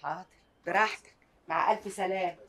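A woman's voice: lowish voice, fairly even intonation, a bit bright, slight background noise. An actress with an Egyptian accent playing a proud, devoted mother who works hard to raise her son, speaking in a homely, emphatic way. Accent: Egyptian Arabic. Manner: homely, emphatic, quick to plead. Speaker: working mother. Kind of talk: Egyptian TV drama acting.

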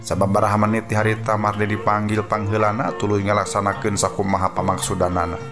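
Deep-voiced male Sundanese storyteller over music. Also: completely flat delivery, fast. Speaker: radio storyteller. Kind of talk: dramatic scripted story narration.

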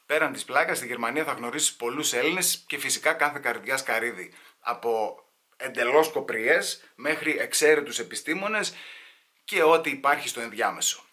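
A man's voice: medium pitch, lively intonation, pushed and bright. A man telling comic stories at home, casual and slangy, sliding into mock voices. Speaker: comedian storyteller. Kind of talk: sit-down comedy storytelling.

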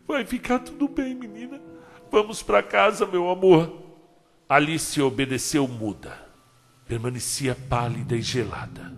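Dramatic male audiobook narrator, echoey hall. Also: medium pitch. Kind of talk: audiobook narration of a short story. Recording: long hall reverb, soft music behind. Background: soft background music.

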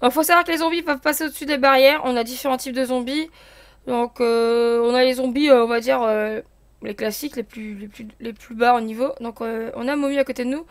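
This gaming channel host, a young woman, talks her viewers through an online game's rules in a casual, filler-heavy way. Her voice is a little high and steady, a touch fast, with no room sound.

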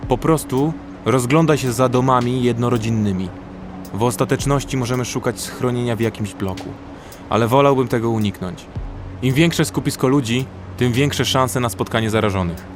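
An actor playing a protective, pragmatic young survivor in a horror audio drama, speaking practically and in control. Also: male voice, medium pitch, normal speed, close to an everyday voice. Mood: terse, practical. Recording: music under the voice.

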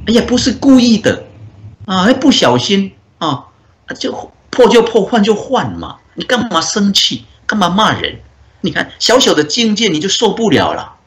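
A man voicing an old male abbot monk who gently scolds a proud elder with rhetorical questions. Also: high-pitched, huge pitch swings, normal speed, voice pushed up, full character voice. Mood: chiding.

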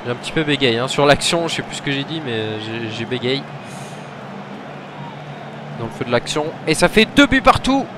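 A man commentating his own football video game match, muttering between plays and shouting when goals go in. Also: medium pitch, big pitch swings, normal speed, pauses often, noisy background. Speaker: gaming commentator.

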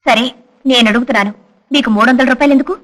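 An actress playing a gentle, dutiful young wife who speaks softly and pleads. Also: female voice, a little high, very fast, lightly acted. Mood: pleading. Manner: soft, pleading. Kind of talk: 1980s Telugu film acting.

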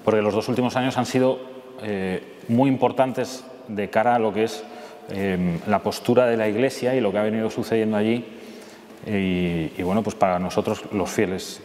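A man in his forties with a Madrid accent gives an informal testimony. His voice sits fairly low and he talks conversationally, often checking in with his listeners. The church hall adds long reverb, with noticeable noise behind him. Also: steady tone, moderate pace, a little mellow. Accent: Castilian Spanish from Madrid. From Madrid, Spain. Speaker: speaker giving a testimony. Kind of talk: informal personal testimony to an audience. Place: church interior, seated at a table. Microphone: lapel microphone. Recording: echoey church hall, clear background noise.

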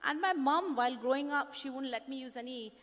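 Woman chef panelist, high voice, storytelling, handheld mic, reverberant hall. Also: a little fast, a bit bright. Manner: storytelling, hesitant fillers. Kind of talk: panel discussion on stage. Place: large conference stage.

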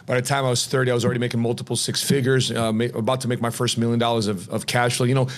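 A middle-aged man, a retirement planner, tells his story as an interview guest, animated and acting out quoted voices, in a home office on a podcast mic. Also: medium pitch, very fast. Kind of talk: interview conversation. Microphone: podcast mic on boom arm.

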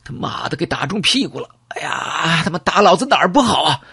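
Man doing a gruff, swearing young gunman. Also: fairly high pitch, very animated, fairly quick, sharp tone, voice pushed up, exaggerated voice. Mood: pained cursing. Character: tough foul-mouthed young male gunman.

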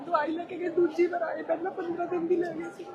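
A woman, the mother of a patient, who answers questions softly and briefly. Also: very high-pitched, level tone, quick pace, dull audio, a faint crowd. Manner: soft-spoken, answering briefly. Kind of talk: casual conversation.

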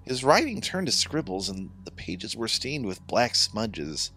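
A man's voice: on the low side, big pitch swings, unhurried, bright, forceful tone. A middle-aged man giving a scripted first-person narration of a horror story.

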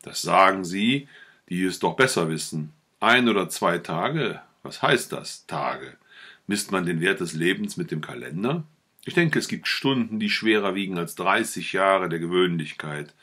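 A man's voice: low voice, expressive, unhurried, sharp tone, slightly rough, heavily acted. A man reading aloud the lines of a passionate, touchy young idealist in a novel, speaking fervently. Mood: fervent, indignant. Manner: fervent, indignant.

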